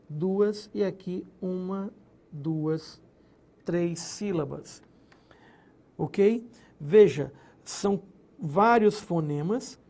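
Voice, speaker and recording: Male grammar teacher, mellow tone, patient step-by-step explanation for a recorded class. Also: high-pitched, gravelly. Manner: didactic, splits words syllable by syllable, checks in with "beleza?" and "ok?". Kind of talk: recorded exam-prep lesson.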